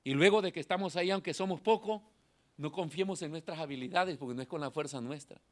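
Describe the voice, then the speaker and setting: Middle-aged pastor guy, thin nasal voice, goes from yelling to quiet asides, preaching in a church. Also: on the high side, quick pace. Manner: animated, swings from shouting to quiet asides. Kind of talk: sermon. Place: church hall.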